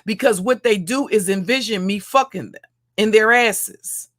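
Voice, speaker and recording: Deep-voiced woman with a mocking, profane rant. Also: moderate pace, fairly bright tone. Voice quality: deep, heavy voice. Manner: mocking, insulting, repeats and restarts phrases. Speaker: livestream commentator.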